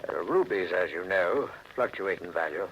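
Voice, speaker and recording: Low-voiced, courteous jeweler. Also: male voice, expressive, a bit bright, lo-fi sound, a little hiss or hum. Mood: cautious, amused. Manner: measured, polite, hesitant. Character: courteous, cautious male jeweler giving an appraisal. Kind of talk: 1940s radio drama acting.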